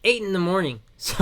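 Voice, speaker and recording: A man's voice: sits high, sharp tone. Tired young man with a worn voice. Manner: profane, blunt opinions. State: voice worn out, tired late at night. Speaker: podcast co-host. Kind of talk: casual chat.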